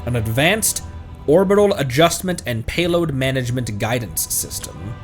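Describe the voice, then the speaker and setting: A man streaming a video game, giving commentary and reading in-game text aloud, sometimes halting and repeating words as he goes. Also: mid-range voice, big pitch swings. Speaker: streamer, host of a gaming livestream. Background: game music.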